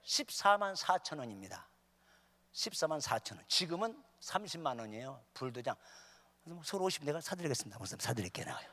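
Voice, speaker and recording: A man's voice: a little high, sing-song, fast, bright, forceful tone. A middle-aged man preaching as a revival speaker, telling a story with humor and acting out the dialogue. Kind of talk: sermon. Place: large church sanctuary. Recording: echoey church hall.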